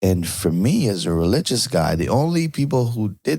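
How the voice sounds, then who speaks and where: With an Israeli accent, a man speaks in a dark, mellow tone with lively intonation, and the sound is dry and close with no echo. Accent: Hebrew. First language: Hebrew. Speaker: stand-up comedian. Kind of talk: casual interview chat.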